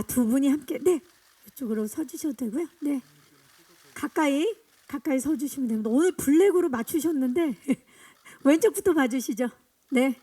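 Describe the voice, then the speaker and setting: A woman emcees a press screening in an upbeat, guiding manner. She cues guests through their photo poses and introduces each one in turn. Her voice sits high but has a mellow, soft tone. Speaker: event host.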